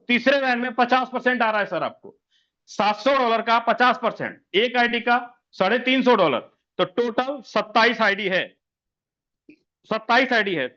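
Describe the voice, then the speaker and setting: A business presenter with a high, bright, forceful voice runs a sales presentation over an online meeting, drilling sums and quizzing listeners. He repeats figures, fires off rhetorical questions, and keeps calling people sir. The call sounds muffled.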